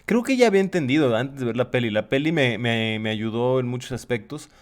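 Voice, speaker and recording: Mid-pitched man in thoughtful conversation. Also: animated, fairly quick. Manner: reflective, explanatory, restates his phrases.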